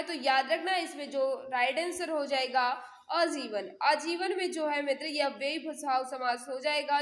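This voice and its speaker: A woman with a notably high voice leads a live exam prep lesson. She reads questions and answers aloud, repeats key points, and keeps prompting her students to respond. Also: echoey room. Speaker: exam prep teacher hosting a live class.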